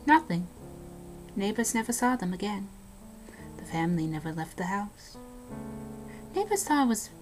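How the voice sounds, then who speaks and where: A woman's voice: fairly low pitch, poor audio. A woman playing a brash young local telling haunted-house tales in an amateur audio drama, casual and dramatic. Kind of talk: amateur audio drama, scripted ghost storytelling.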